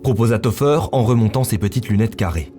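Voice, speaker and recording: A man's voice: lowish voice, a little fast, warm tone. Male story narrator over music. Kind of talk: scripted literary narration. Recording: music bed under the voice.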